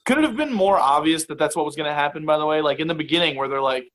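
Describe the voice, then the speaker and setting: A man's voice: fairly high pitch, animated, racing, a bit bright, low-quality recording. A man guest on a podcast, chatting wryly about a film with lots of fillers. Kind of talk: casual film-review chat.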